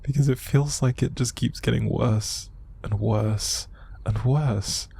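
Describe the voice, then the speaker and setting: A man acting an upset, exhausted young man in an intimate audio roleplay, speaking in a hushed, halting, breathy and gravelly voice. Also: medium pitch, fairly even intonation, full character voice. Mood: weary, fed up. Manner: halting, sighing, hushed, naturalistic delivery. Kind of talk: intimate audio roleplay monologue to an unseen listener.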